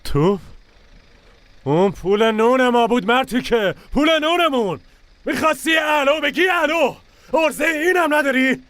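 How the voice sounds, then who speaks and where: An actor dubbing a hot-tempered male gang member in a TV drama, scolding and shouting. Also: on the low side, very animated, no room sound. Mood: angry. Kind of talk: dubbed TV drama.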